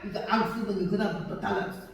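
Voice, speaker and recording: An older woman evangelist, preaching a sermon in animated storytelling, acting out dialogue and laughing often. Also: medium pitch, racing, vocal fry. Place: large church hall. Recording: echoey church hall from far off.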